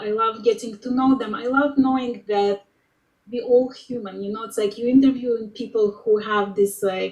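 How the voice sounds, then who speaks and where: At a moderate pace, a woman with a fairly high pitch and a non-native accent speaks with ordinary pitch variation. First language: not English. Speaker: knitting YouTube interviewer. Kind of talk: casual chat.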